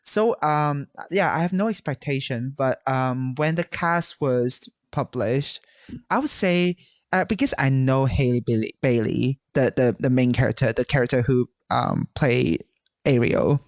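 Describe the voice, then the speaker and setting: A man co-hosting a podcast in casual chat, animated and restarting often. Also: medium pitch, measured pace, no room sound. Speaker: podcast co-host.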